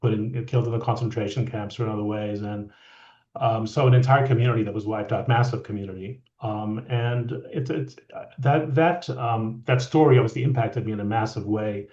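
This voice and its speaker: A middle-aged man from France, a guest leadership coach, talking in a reflective, halting way with many restarts. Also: lowish voice, steady tone, a little mellow. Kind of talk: conversational interview. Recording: echoey, dull lo-fi audio.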